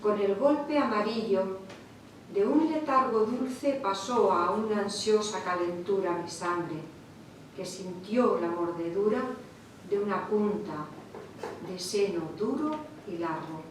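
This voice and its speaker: A woman reciting a poem slowly and carefully. She is far from the mic, in a hall with heavy echo and a faint rumble underneath. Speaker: poetry reader. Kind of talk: poetry recitation. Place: lecture hall.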